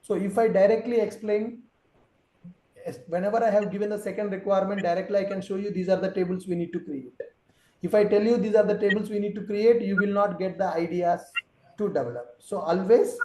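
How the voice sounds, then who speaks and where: A man's voice: sits high, steady tone, brisk, darkish tone, reverberant, rough recording. A man teaching an online class as trainer, explaining patiently and step by step.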